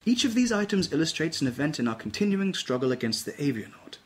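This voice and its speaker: Man putting on a stately, higher-pitched robot admiral. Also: big pitch swings, fast. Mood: solemn. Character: towering grave robot admiral, solemn and formal. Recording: noisy table read room.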